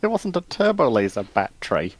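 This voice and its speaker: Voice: mid-range voice, sing-song, fairly quick, slightly rough, no echo. A panelist in a casual, geeky debate, speaking in a contrary, pedantic way.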